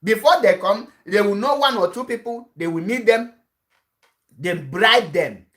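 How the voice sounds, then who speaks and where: A man's voice: high-pitched, animated, unhurried, fairly bright tone. A Nigerian-accented man, an Igbo speaker, delivers an urgent online address in the manner of an activist broadcaster. He hammers points home by repeating himself and often restarts mid-sentence. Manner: insistent, repetitive warnings, frequent restarts.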